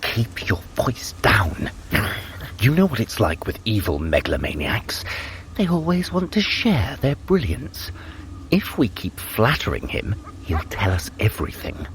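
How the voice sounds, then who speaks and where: An actor playing a sly trickster god in an audio drama, wry and theatrical in manner. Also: male voice, on the low side, a little slow, slight background noise, low-quality recording. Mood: hushed, scheming. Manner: wry, smooth flattery, theatrical. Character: sly, silver-tongued male trickster god.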